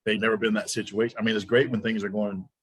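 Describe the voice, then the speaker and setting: A man's voice: lowish voice, level tone, rapid-fire, fairly bright tone, husky. A man from Alabama with a Southern accent, chatting and joking as a podcast guest. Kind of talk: casual podcast chat.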